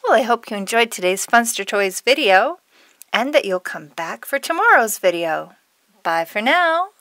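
A woman's voice: on the high side, sing-song, normal speed, fairly bright tone, no echo. A woman hosting a toy unboxing for children, narrating playfully in a gushing, exclamatory, sing-song way. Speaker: toy unboxing video host.

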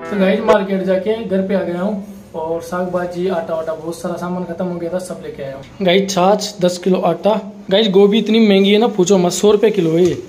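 A man's voice: high-pitched, fairly even intonation, fairly quick, darkish tone. A young man vlogging casually at home, teasing his wife and talking to viewers. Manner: teasing, talkative, addresses viewers as guys. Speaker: vlogger, husband. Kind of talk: casual vlog talk to camera.

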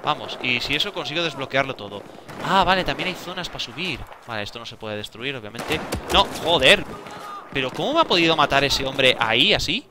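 A young man giving casual, excitable gameplay commentary, talking to himself and exclaiming often. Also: mid-range voice, fairly quick, noisy background. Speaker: gaming video creator.

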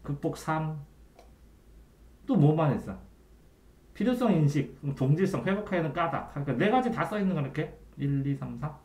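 Lively Korean man tutoring a student. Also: a little high, moderate pace, long pauses. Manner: quizzing the student with frequent checks for understanding; trailing off quietly at the ends of phrases. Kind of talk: one-on-one Korean grammar tutoring. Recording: echoey room.

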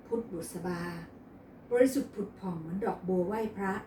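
ผู้หญิงเล่นเป็นลูกชายเจ้าสำราญ ปากจัด. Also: female voice, medium pitch, fairly quick, dark tone, slight background noise, natural voice. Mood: earnest. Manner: crude, teasing. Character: brash playboy son, adult man. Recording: echoey room, distant mic.

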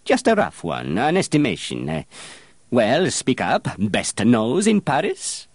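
A man's voice: mid-range voice, wildly swooping pitch, a little slow, husky, no room sound, studio quality, voice pushed up, heavily acted. A man voicing a stern, pompous master perfumer who lectures and scolds a young apprentice. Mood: scornful. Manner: haughty, lecturing, rising to shouts.

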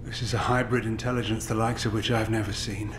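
Guy acting a middle-aged scientist, grave n defensive, formal, lowish voice, game dialogue with noise behind. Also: level tone, natural voice. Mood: somber, explaining. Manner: formal, measured, articulate. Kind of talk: scripted video game dialogue.

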